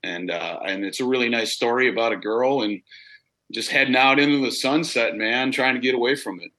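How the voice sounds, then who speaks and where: A rock singer with a big-sounding voice answers interview questions in a relaxed, rambling style loaded with fillers. He's male, mid-range in pitch and fairly quick, captured on a low-quality recording.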